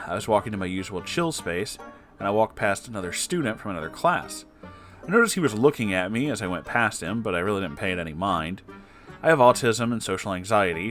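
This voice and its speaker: A man's voice: fairly low pitch, a bit bright. A man hosting a story reading, narrating an online tale expressively and conversationally, with asides of his own. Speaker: host reading Reddit stories.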